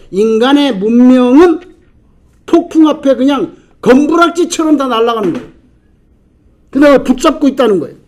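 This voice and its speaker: A middle-aged man from South Korea preaching a sermon as pastor, telling stories with animated swings and sudden quiet asides. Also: extremely high pitch.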